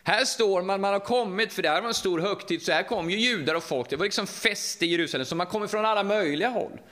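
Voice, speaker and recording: A middle-aged Swedish man with a Västergötland accent, preaching a lively, conversational sermon and often asking the audience questions. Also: high-pitched. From Sweden, Västergötland.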